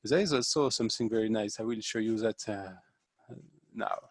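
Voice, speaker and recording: A man's voice: lowish voice, normal speed, no echo, clean studio sound. Hesitant man. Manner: hesitant, many fillers and restarts, mixes French into English. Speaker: tutorial host. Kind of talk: casual screen-share tutorial. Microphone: video call.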